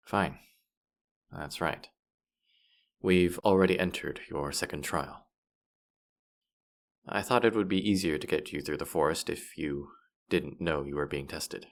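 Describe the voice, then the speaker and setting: Casting: man to play boastful, teasing male demon guide for fantasy audio drama; low, creaky voice, patronising air. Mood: exasperated, warning. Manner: condescending, playful, exasperated. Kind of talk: roleplay audio drama, addressing the listener.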